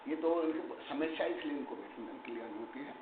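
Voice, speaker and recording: Teaching scripture as a monk, a man with a medium-pitched voice talks fairly quickly, chiding his class emphatically and mixing in English words. The recording sounds echoey, thin like a phone, with faint noise.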